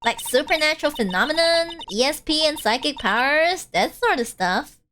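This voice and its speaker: Woman doing a high-pitched bubbly Valley Girl sorority type. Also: lively intonation, normal speed, background noise. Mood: ditzy, casual. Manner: bubbly airheaded sorority-girl drawl full of "like". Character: bubbly, ditzy young sorority-type college woman, occult student.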